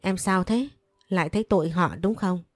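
A woman's voice: fairly low pitch, normal speed, no room sound, clean studio sound, soft background music, natural voice. A woman voicing a cold, curt young husband in a story. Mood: gentle.

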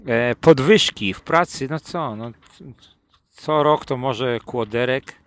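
A man's voice: medium pitch, slow, fairly bright tone. A man telling long, crude, colloquial stories in a casual podcast chat, with joking asides. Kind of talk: casual anecdotal storytelling.

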